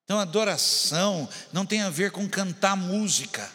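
A man's voice: high voice, expressive, normal speed, pushed and bright, long reverb tail, faint music behind. A man preaching a sermon, talking straight to his congregation and building intensity. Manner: preaching with rising intensity, addressing the congregation directly. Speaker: pastor.

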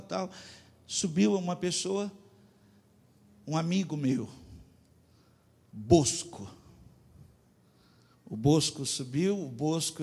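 A man preaching a sermon as pastor, telling a story and pressing his points with emphatic, loud appeals. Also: a little high.

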